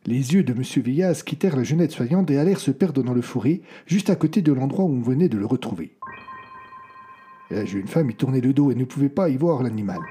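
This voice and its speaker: Lively, mellow-voiced male storyteller. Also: fast, breathy edge. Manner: expressive, varies pitch widely between characters. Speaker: audiobook narrator. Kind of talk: scripted narration.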